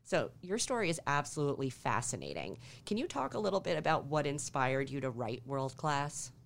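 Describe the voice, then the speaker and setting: Podcast host, woman, 40s, very deep voice, measured and polished. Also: very animated, creaky. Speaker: podcast host, wealth advisor. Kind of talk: scripted podcast intro and interview.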